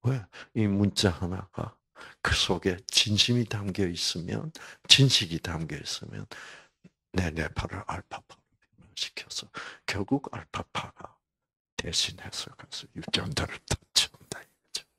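A man's voice: low voice, unhurried, vocal fry, bright, forceful tone, husky. A man giving a conversational Bible lecture at a health program. He poses rhetorical questions and addresses listeners by name.

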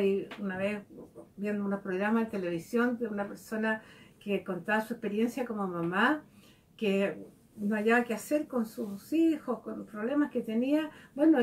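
A woman's voice: a little high, darkish tone. A woman giving a devotional reflection, speaking conversationally and asking her listeners direct questions. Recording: voice heard from a distance.

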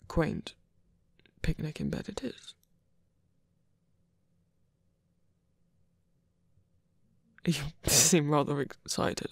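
A man voicing a wounded villain who is softening and flustered, murmuring haltingly in an intimate, formally worded ASMR roleplay. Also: a little high, slightly rough, no room sound, full character voice. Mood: flustered, fond. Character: wounded male villain, flustered, softening, tender toward rescuer.

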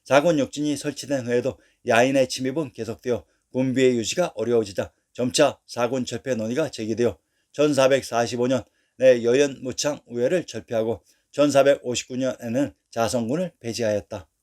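Dates and place names follow one another as a man of medium pitch delivers steady, formal history narration from a script at a moderate pace.

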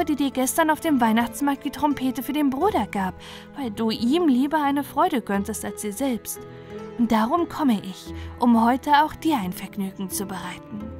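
A kindly Christmas angel, voiced by a woman, with a fairly high voice. The delivery is tender and reassuring, as in a bedtime storybook. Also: a little mellow, lightly acted. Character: gentle, kindly winged Christ Child spirit.

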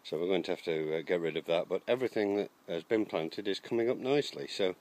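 A man's voice: low-pitched, quick pace, a little mellow. A man casually narrating a walk around his garden allotment, talking hesitantly with many ums and uhs, recorded outdoors on a handheld camera. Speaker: allotment vlogger.

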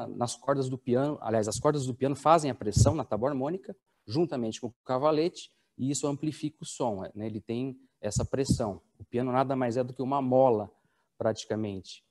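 A man's voice: medium pitch, moderate pace, a little mellow. A Brazilian man in his forties, a piano technician explaining his craft in a workshop, often checking in with tag questions. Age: 40s.

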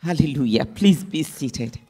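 A woman pastor delivers a sermon at an unhurried pace. She reads scripture in careful, measured phrases and repeats key lines for emphasis. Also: sits low, expressive, warm tone, a little hiss or hum. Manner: preaching, reading scripture aloud in measured phrases.

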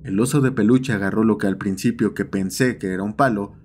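A man's voice: on the low side, fairly quick, darkish tone, slight background noise. A man narrating a scripted horror story as the host of the channel. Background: background music.

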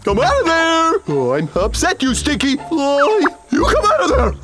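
A fat, lazy cartoon toad who bosses and brags. The voice is pitched high and swoops widely, with pompous, slow delivery. Music sits behind it. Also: huge pitch swings, heavily acted. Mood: angry. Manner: pompous, demanding. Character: lazy, bossy, boastful fat male toad. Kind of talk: animated cartoon acting.

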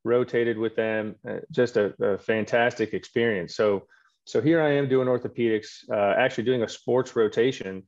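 Here the Quebec-born surgeon, a middle-aged man whose first language is French, sounds on the low side as he chats from home on a video call interview. His storytelling is easygoing and peppered with fillers, and the audio is dull and low-fidelity.

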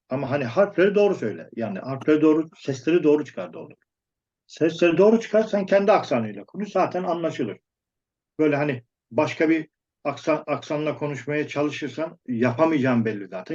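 A man talks bluntly and emphatically, often cutting off a word and starting it again. His voice sits a little high for a man. The recording sounds dull and lo-fi. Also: darkish tone. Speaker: English teacher giving advice. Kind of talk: casual discussion.

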